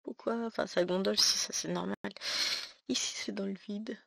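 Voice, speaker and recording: A woman's voice: medium pitch, fairly even intonation, moderate pace, vocal fry, fairly bright tone, no echo, studio quality. A woman hosting a cross-stitch vlog, chatting casually and rambling with lots of fillers while she stitches. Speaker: cross-stitch channel host.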